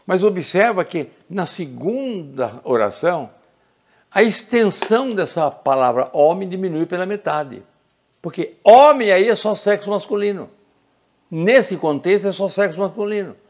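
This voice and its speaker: An older man from Brazil teaching Portuguese grammar in a recorded lecture, deliberate and didactic, stressing key words. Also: sits high, lively intonation, darkish tone.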